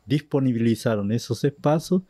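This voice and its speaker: An Argentine man with a mellow voice and a native Spanish speaker's accent tells his story to a podcast host. He talks earnestly and drops Spanish words into his Portuguese. The recording is close and dry. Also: medium pitch, normal speed, no echo. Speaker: missionary guest. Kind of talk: casual storytelling in a podcast interview.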